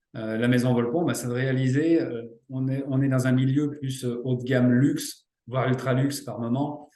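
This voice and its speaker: There is audible room echo around a man speaking at a medium pitch. He talks at a moderate pace in a monotone, flat intonation. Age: 50s. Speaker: cabinetmaker, business owner. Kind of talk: interview. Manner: hesitant, many fillers.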